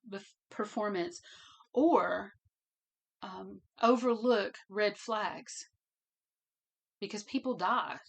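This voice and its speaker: A woman hosts a podcast on her own, and her voice is hoarse and fading. She speaks earnestly and circles back to repeat her main points. A cough or a cleared throat breaks in from time to time. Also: mid-range voice. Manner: earnest, repeats phrases for emphasis. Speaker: podcast host. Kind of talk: solo podcast commentary.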